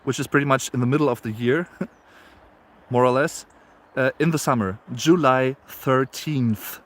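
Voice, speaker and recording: A man's voice: mid-range voice, unhurried, a bit bright. A man in his late twenties with a German accent, chatting casually in a live stream while out walking in the snow and reading viewer comments aloud. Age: 20s. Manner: chatty, reads viewer comments aloud, frequent fillers and repeats. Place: outdoors on a snowy walk.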